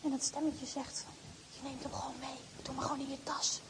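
A woman playing a high-voiced wistful little girl. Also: flat delivery, brisk, natural voice. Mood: secretive. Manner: childlike, chatty, talks straight to the audience. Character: little schoolgirl, wistful, tempted to take a doll. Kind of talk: stage monologue. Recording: echoey hall, faint background noise.

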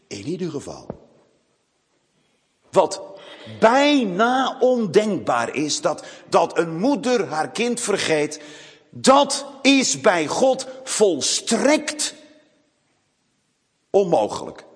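Slow-speaking male preacher in a reverberant hall. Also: high voice. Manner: often repeats the first word of a phrase. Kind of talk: sermon.

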